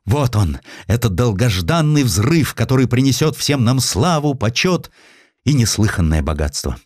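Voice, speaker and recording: A man's voice: mid-range voice, very animated, normal speed, a little mellow, dry recording, studio quality, voice pushed up. A man voicing an ambitious, imperious old industrialist father, bitter and grandiose, in an audiobook story. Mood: exultant.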